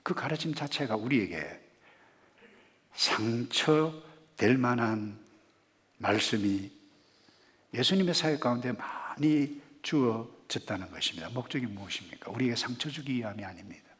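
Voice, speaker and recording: A man preaching a sermon as pastor, dropping to hushed murmurs and rising to loud, emphatic rhetorical questions, and leading the congregation in reading scripture aloud. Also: medium pitch, animated, unhurried.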